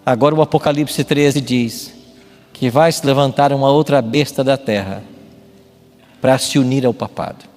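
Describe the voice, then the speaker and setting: A man's voice: medium pitch, normal speed, a little mellow. A Brazilian man preaching a sermon as a pastor, didactic and emphatic, often posing rhetorical questions. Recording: long hall reverb with music behind. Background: music.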